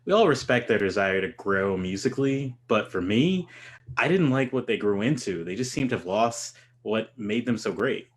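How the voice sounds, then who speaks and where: A man's voice: lowish voice, animated, normal speed, lightly acted. A man playing an opinionated, thoughtful music lover, speaking in a considered, intellectual way in a play reading. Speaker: actor in a staged reading. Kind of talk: conversational dramatic play reading.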